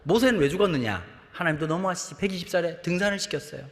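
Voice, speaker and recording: A man in his fifties preaching a sermon as a pastor, with humorous, animated storytelling. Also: high voice, quick pace. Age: 50s. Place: church sanctuary. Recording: long church-hall reverb.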